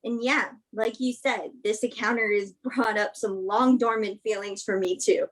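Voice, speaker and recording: A woman's voice: mid-range voice, steady tone, moderate pace, natural voice, low-quality recording. A woman acting a bitter, guarded young woman, confrontational and sarcastic, in a staged play reading. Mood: angry, defensive.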